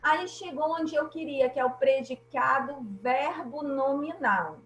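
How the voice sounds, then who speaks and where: A woman's voice: high voice, expressive, measured pace, reverberant, slight background noise, poor audio. A woman teacher with a Brazilian Portuguese accent, patiently explaining grammar in an online class and often checking that students follow.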